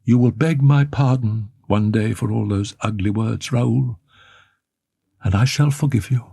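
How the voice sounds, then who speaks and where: A man playing a despairing young woman, speaking low and quiet with a grave, breaking tone. Her voice is husky and dry, as a storyteller puts her on. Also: normal speed, dry recording. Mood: grave, sorrowful.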